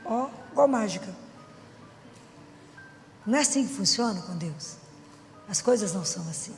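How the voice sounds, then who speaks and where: A middle-aged woman with a Minas Gerais Brazilian Portuguese accent preaches a chatty, conversational sermon at normal speed and medium pitch, with lively intonation. She keeps the audience engaged by often asking for their agreement, and long hall reverb and faint music surround her.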